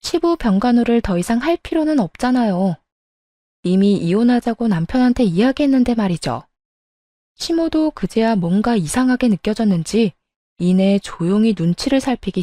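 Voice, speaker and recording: Brief: woman narrator, sardonic storytelling, mellow tone, dry close recording. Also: fairly high pitch, no room sound. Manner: sardonic, matter-of-fact. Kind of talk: first-person storytelling narration.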